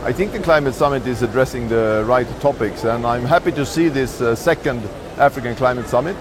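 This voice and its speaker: Man from Sweden, halting outdoor interview. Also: medium pitch. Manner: measured, with frequent filler pauses. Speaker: embassy staff interviewed at a summit. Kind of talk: street interview. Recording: outdoor noise.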